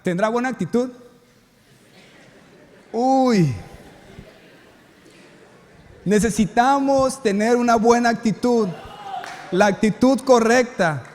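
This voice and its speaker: A man's voice: sits high, moderate pace, a little mellow, in a large hall. A male pastor preaching a sermon, telling stories and acting out the characters' lines.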